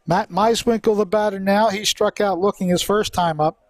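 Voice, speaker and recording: A man with a notably high-pitched voice works as a play-by-play baseball commentator. He calls the action live in a conversational way, adding his own asides. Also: fairly even intonation, normal speed, slight background noise.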